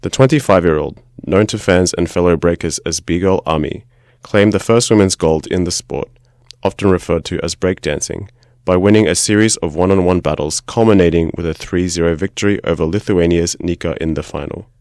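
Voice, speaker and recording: A man's voice: low voice, brisk, a little mellow, no echo, studio quality. A man from Australia, a news reporter who chats hesitantly on a podcast and reads an article aloud. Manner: hesitant, many ums and uhs.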